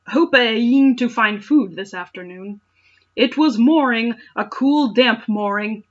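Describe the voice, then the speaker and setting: A woman's voice: fairly high pitch, a bit bright, dull audio. A woman reading fan fiction aloud with sarcastic, incredulous asides and exaggerated dramatic narration.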